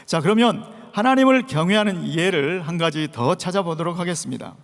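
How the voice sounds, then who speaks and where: High-voiced preaching pastor, man. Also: animated, brisk. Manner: preaching with rhetorical questions and dramatized shouts. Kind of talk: Sunday sermon. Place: church sanctuary. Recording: long reverb of a large church hall.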